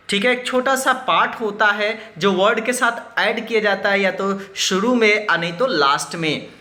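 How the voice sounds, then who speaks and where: Bright-voiced man teaching in an echoey room. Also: high-pitched. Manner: asks himself questions, then answers them; mixes English terms into Hindi speech. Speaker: English teacher. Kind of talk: explanatory grammar lesson.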